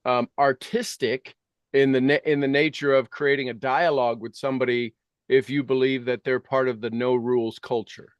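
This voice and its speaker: A man's voice: mid-range voice, little pitch movement, normal speed, clear, resonant tone, no room sound, muffled recording. A middle-aged or older man talking conversationally like a coach, emphatic and repeating phrases to drive points home.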